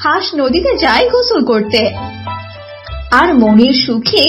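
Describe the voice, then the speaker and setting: A woman's voice: high-pitched, big pitch swings, unhurried, faint music behind. A woman narrating a scripted children's story.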